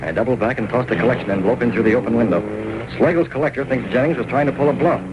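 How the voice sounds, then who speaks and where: An actor playing a masked male crime-fighter in a 1930s radio drama, crisp and commanding. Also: medium pitch, rapid-fire, muffled recording, close to an everyday voice. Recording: loud hiss of an old radio transcription.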